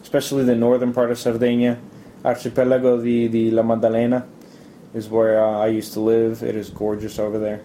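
A young man from Italy chatting casually in an interview, relaxed and halting, with lots of fillers and restarts. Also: medium pitch, slight background noise. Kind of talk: casual chat.

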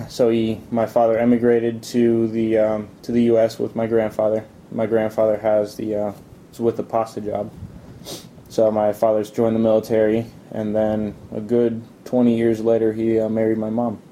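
A man's voice: fairly low pitch, little pitch movement, normal speed, dark tone, a little hiss or hum, rough recording. A young man from Italy answering interview questions, hesitant, with many ums and restarts.

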